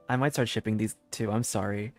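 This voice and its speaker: A man live-streaming a video game with casual, slangy, excitable reaction commentary, often repeating his phrases. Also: on the low side. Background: game music.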